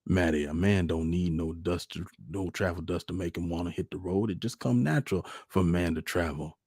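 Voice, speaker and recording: Storybook father acted by a man: rural Southern, deep, raspy, folksy, gentle and wistful. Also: a little fast, no room sound, studio quality. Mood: firm, wistful. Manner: folksy, consoling, plainspoken. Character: gentle, wistful country father of a small boy.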